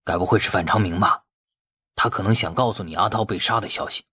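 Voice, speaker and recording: A man voicing an anxious, low husky-voiced son. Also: fast talker, sharp tone, exaggerated voice. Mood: puzzled. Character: anxious, puzzled young man, a fugitive son.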